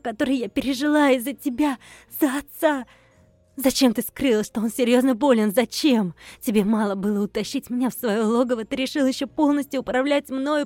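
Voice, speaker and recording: A woman reader performs a furious young half-werewolf woman, screaming accusations at her husband and close to tears. Her voice is raised high and sharp. The sound is dry with faint music behind it. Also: no echo, natural voice. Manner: accusing, shouting and near tears. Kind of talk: audiobook character voice.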